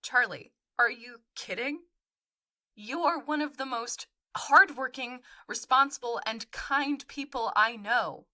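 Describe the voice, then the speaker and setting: A woman's voice: fairly high pitch, takes it slowly, pushed and bright, heavily acted. An actress playing a supportive, frank young woman in naturalistic audio drama dialogue. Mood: encouraging.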